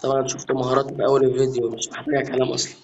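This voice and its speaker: A man's voice: medium pitch, flat delivery, very fast, darkish tone. A man with an Egyptian accent giving casual, jokey commentary over gameplay, exclaiming often. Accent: Egyptian Arabic. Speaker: gaming youtuber. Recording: dull lo-fi sound with faint noise.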